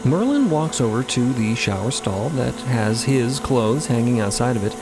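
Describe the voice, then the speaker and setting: A man's voice: medium pitch, animated, moderate pace, background noise. A man narrating scripted audio fiction in a dramatic storytelling style.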